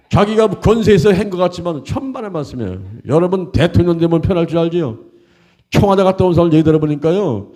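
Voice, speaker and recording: Middle-aged male pastor, folksy animated preacher, slightly high, mellow tone. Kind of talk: sermon.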